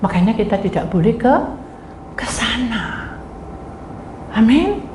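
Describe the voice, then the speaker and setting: A woman's voice: fairly high pitch, animated, takes it slowly, a little mellow. A middle-aged woman pastor preaching a sermon, telling stories and acting out voices as she addresses her congregation. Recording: echoey room, faint ambient noise.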